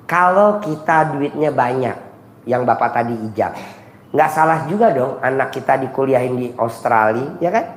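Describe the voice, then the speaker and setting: A man's voice: medium pitch, a little hiss or hum. A man hosting a live advice session, teasing the audience with crude jokes and calling people "Bos". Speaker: host giving advice sessions. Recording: echoey room with faint ambience.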